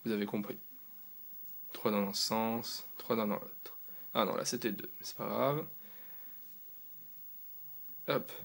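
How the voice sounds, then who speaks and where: A man's voice: fairly low pitch, takes it slowly, gravelly, long pauses, a bit bright. A man giving a loose, rambling product review, talking casually with fillers and restarts. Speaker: tech reviewer.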